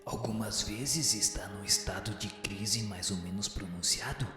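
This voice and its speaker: Radio drama: actor as patient, solemn male spirit sage, measured and didactic, long hall reverb, lowish voice. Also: sharp tone. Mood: solemn, instructive. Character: wise male spirit teacher answering questions, patient and solemn. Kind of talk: scripted radio drama reading of a spiritual text. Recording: very echoey hall-like reverb with music behind.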